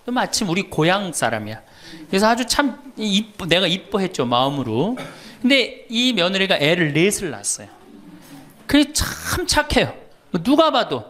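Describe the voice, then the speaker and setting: A middle-aged man, a Catholic priest, giving a humorous lecture, telling stories and teasing the audience with questions. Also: sits high. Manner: animated storyteller, teasing questions to the audience, laughs often.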